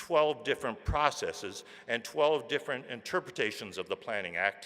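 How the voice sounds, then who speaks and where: In a very clean recording with a silent background, a man with an Ontario accent speaks at a moderate pace, his fairly high pitch carrying a bright, sharp tone and lively intonation. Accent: Canadian (Ontario). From Niagara Falls, Ontario, Canada. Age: 70s. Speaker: regional chair, politician. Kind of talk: keynote speech. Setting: stage with audience. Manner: formal, from notes with ad-libs.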